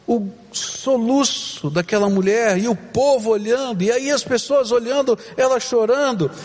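A male pastor preaching a sermon, with dramatic swings between loud emphasis and hushed, slow moments. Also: extremely high pitch, long reverb tail.

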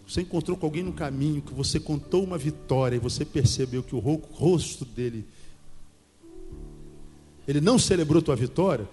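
A middle-aged man preaching a sermon, lively and humorous, mimicking the people he talks about. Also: on the high side, fairly quick, in a large hall, faint music behind. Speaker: pastor.

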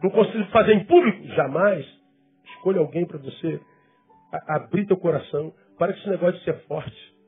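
A man's voice: high-pitched, fairly quick, narrow, tinny audio, faint music behind. A male pastor giving a conversational sermon full of rhetorical questions.

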